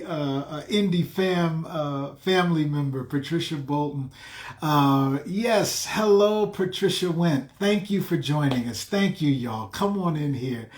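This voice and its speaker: A man's voice: fairly high pitch, roomy sound. A man hosting a live video-call interview, effusive, calling his guest "brother" and "man". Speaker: show host.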